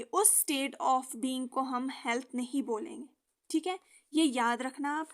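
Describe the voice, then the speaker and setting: A young woman explaining a lesson for exam students in casual Hindi with English terms, often checking in with a quick "okay". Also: sits high. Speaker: exam-prep teacher.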